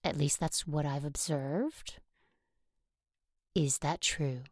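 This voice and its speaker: A woman acts out a stern Catholic teaching sister in an audio drama. Her voice is on the low side and very unhurried, with formal, careful phrasing in a dry recording. She admonishes with controlled, falsely tender authority. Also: dry recording. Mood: softly confiding.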